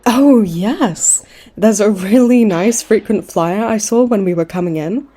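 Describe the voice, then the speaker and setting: A woman's voice: medium pitch, unhurried, warm tone, close to an everyday voice. A woman playing a cheeky, smug supervillain in a comedy audio roleplay, with a breezy, teasing way of talking. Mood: breezy, boastful. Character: cocky, cheeky supervillain woman, a chummy hospital frequent flyer.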